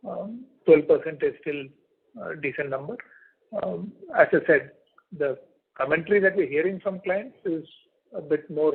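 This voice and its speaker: A man answering analysts' questions as a company executive on an earnings call, in a halting, measured, deliberate way. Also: on the high side, gravelly, slightly rough. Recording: muffled, lo-fi conference call audio.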